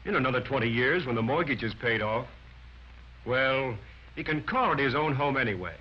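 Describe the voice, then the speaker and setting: 1940s training-film male narrator, animated. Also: mid-range voice, normal speed, a little hiss or hum. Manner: emphatic, lecturing, counting off points. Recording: dull lo-fi 1940s film soundtrack.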